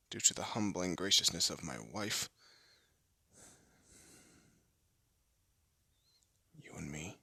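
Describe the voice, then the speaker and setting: Guy doing a tough ex-gangster husband, deep and rough, hushed threatening whisper. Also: no echo, studio quality, exaggerated voice. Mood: stern. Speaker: voice actor. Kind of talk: amateur audio roleplay.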